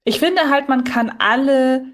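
A woman co-hosting a podcast in casual discussion, explaining things in a deliberate manner. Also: high voice. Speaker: podcast co-host.

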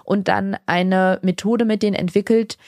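A woman's voice: mid-range voice, steady tone, moderate pace, a little mellow, no room sound, clean studio sound. A woman in her thirties co-hosting a podcast, speaking earnestly and reflectively in a long casual conversation. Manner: earnest, reflective, talks at length with many restarts. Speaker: podcast co-host.

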